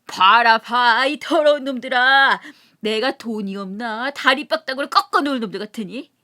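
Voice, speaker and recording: A woman voicing a drunk middle-aged male rickshaw puller who shouts and brags in a rowdy, slurred way. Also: a little high, animated, unhurried. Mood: angry shouting.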